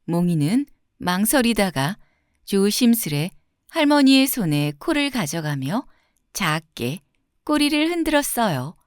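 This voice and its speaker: A woman narrating a scripted fairy tale for children in a gentle, expressive storytelling manner with clear phrasing. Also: medium pitch, no echo, studio quality.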